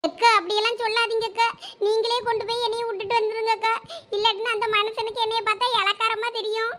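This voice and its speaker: Lady doing a pleading young village wife, thoothukudi accent, high quick voice. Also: level tone, fairly bright tone. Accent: Thoothukudi Tamil. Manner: pleading, coaxing.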